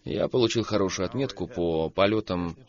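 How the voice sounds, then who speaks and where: A man hosting a Christian talk show, telling stories about flying with lively delivery. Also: deep voice, brisk, muffled recording. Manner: animated storytelling about flying. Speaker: preacher and show host. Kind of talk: Christian talk show conversation, Russian dub.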